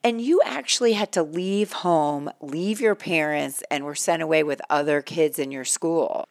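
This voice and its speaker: A woman's voice: low voice, measured pace, darkish tone, dry recording, studio quality. An American woman hosting a public radio show, reading scripted introductions and putting questions to a guest. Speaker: radio host. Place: radio studio.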